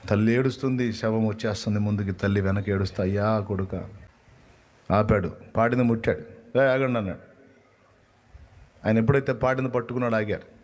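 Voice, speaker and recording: A man's voice: on the low side, fairly even intonation, brisk, a little mellow. A man preaching a sermon, retelling a story dramatically and voicing the people in it. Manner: dramatic retelling with quoted voices.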